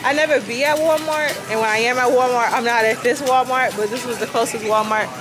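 Over music, a young adult woman with a fairly high, steady voice talks briskly while vlogging on a phone held at arm's length. She chats casually with viewers, calls them y'all, laughs often, and sounds slightly raspy from yelling at a concert. She starts inside a car and moves into a store, and noise from both can be heard.

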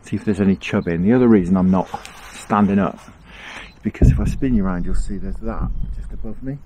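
A man's voice: sits low, fairly quick. A middle-aged man giving a casual running commentary while fishing outdoors on a riverbank, chatty and chuckling often. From England. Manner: chatty, chuckles often, relaxed self-talk. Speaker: angling vlogger. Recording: outdoor ambience with faint noise.

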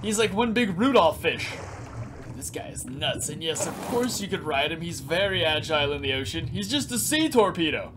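A young man in his twenties doing energetic, crude gameplay commentary in a small room, his voice raspy because he just woke up. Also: fairly high pitch, moderate pace, noisy background. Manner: energetic, crude, rambling with lots of "like". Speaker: gaming YouTuber. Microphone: headset.

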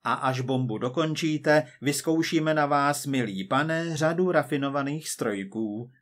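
A man voicing a cold, persistent male agent from the future, measured and quietly menacing. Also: fairly high pitch, lightly acted.

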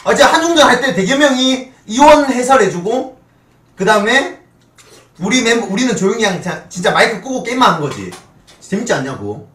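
A young man with a high voice hosts a casual live stream. His delivery is extremely lively, full of banter, and he sounds roomy and set back from the microphone. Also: brisk, distant mic. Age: 20s. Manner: animated, swearing banter with laughter. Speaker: streamer hosting a mukbang talk show with a guest. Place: small indoor streaming room. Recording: roomy echo, off the mic.

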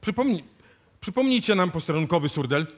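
An actor playing a methodical, probing police inspector in a live radio play. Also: male voice, on the high side, animated. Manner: deliberate, probing.

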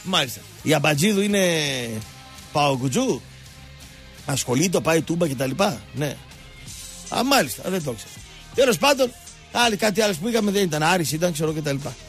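A man's voice: fairly high pitch, pauses often, faint music behind. A man hosting a radio sports show, mocking and digressive as he rambles about football. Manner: animated, mocking, digressive storyteller. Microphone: radio studio microphone.

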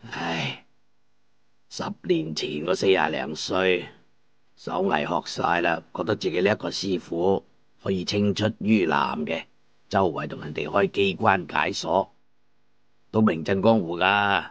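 A man voicing a calm, wise older male craftsman in his fifties who speaks gently, over soft music. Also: deep voice, no echo, highs cut off, pitched below the performer's own voice, full character voice. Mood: reflective. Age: 50s. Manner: gentle, unhurried.

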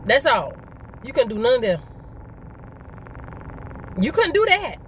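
A middle-aged woman talks casually to her viewers in a fairly high voice. She makes her points emphatically, repeating herself and asking rhetorical questions. There is noticeable ambient noise behind her, like the sound of a vehicle or outdoors. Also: big pitch swings, a little slow, a bit bright, rough recording. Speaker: vlogger. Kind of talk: casual mukbang conversation, storytelling.

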